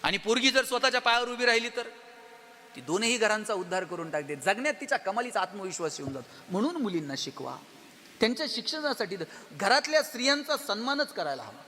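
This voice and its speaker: A man giving an animated motivational stage speech, telling humorous stories and speaking straight to the audience. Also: sits high, quick pace, slight background noise. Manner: animated, addresses the audience directly. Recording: long hall reverb with faint music.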